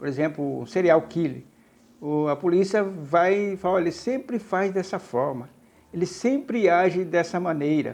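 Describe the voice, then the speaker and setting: Here a man with a high pitch speaks at a moderate pace. His intonation is lively. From Southeast Brazil, São Paulo. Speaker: evangelical preacher. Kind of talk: sermon-style social media talk. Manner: repetitive, halting with self-repeats.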